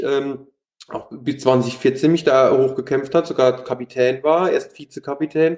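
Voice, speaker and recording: A man's voice: mid-range voice, a little mellow, reverberant. A man in his thirties with a Palatinate German accent, a former pro footballer and youth coach talking in an interview, hesitant with many fillers and restarts. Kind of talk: interview, casual talk.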